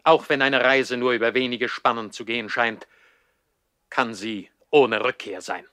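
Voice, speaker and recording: A man's voice: mid-range voice, steady tone, measured pace, pushed and bright, dry recording, studio quality. An actor playing a stern, formal baron and disapproving father in a German radio play from the 1960s. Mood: stern, reproachful. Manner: formal, admonishing, stiffly dignified.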